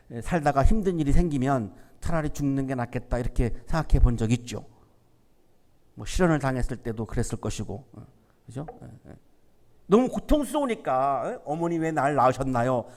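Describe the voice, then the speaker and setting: A male pastor preaching an animated sermon, asking his congregation questions and acting out the voices in the story. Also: medium pitch, moderate pace, vocal fry. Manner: asks the congregation rhetorical questions. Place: university church sanctuary. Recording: long church hall reverb.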